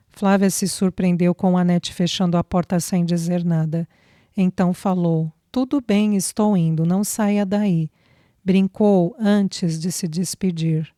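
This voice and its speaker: Female audiobook narrator, calm and measured, dry close mic. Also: on the low side, no room sound. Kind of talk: scripted narration.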